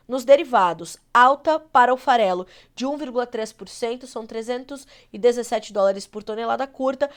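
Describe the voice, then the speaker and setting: A Brazilian woman with a cold anchoring a live agribusiness news show, her voice nasal and congested as she runs through market prices. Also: a little high. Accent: Brazilian Portuguese. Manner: brisk, reads prices in a steady run.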